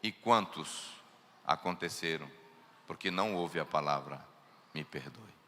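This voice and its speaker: A man preaching a sermon as pastor, animated, mimicking family members in quoted voices and putting questions to the congregation. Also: sits low, unhurried. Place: church hall. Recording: long echoing church hall.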